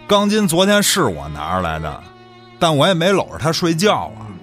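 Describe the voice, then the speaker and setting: An actor playing a brash, foul-mouthed, shady restaurant boss in a radio drama, scornful and streetwise. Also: male voice, a little high, huge pitch swings, moderate pace, fairly bright tone, soft background music. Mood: defensive, dismissive.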